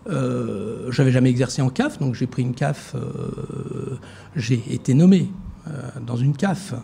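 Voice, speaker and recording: Gravelly guy with a dark voice, lots of ums and restarts, tv interview, bit of hiss. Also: medium pitch, unhurried. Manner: hesitant, many fillers and restarts. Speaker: director of a social security fund, interview guest. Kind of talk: TV interview answers.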